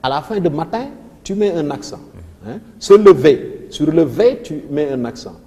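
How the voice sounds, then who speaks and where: A man with a Senegalese French accent, a teacher explaining poetry and rhythm on a televised revision lesson, reciting lines of verse slowly. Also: on the high side, very animated, long reverb tail, crowd noise. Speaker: literature teacher.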